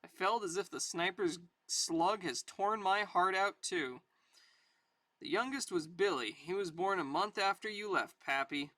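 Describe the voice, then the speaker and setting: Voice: mid-range voice, measured pace, sharp tone, dry recording. A person reading aloud a tough, weary army sergeant from a war comic in dramatic style. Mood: grieving, bitter. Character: tough weary army sergeant, gruff battle-hardened narrator.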